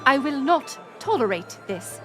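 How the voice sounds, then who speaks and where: A woman's voice: sits high, big pitch swings, unhurried, bright, forceful tone, full character voice. A woman playing a proud, weary middle-aged queen mother in a dramatic audio roleplay, formal and commanding. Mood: stern, exasperated. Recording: music and crowd murmur behind. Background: music and banquet crowd.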